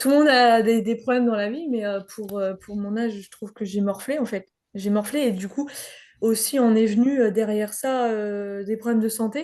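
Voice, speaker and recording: A woman's fairly high-pitched voice with a dark, mellow tone, fairly even intonation and a moderate pace. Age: 30s. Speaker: hypnosis client. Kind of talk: therapy interview. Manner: halting.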